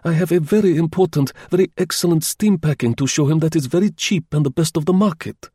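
Man putting on a high-pitched, pushy foreign salesman. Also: fast, warm tone, slightly rough, no room sound, studio quality. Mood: insistent. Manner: pushy, stilted non-native phrasing. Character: indignant foreign male salesman hawking steam packing.

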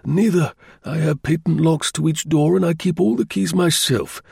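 An earnest, fretful engineer from a storybook, played by a male narrator. His voice sits raised and strained above ordinary talk, formal and emphatic, with a husky, gravelly edge. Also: a little high, moderate pace, darkish tone, dry recording, clean studio sound, voice pushed up, exaggerated voice. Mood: defensive. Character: anxious male engineer-inventor, proud and earnest.

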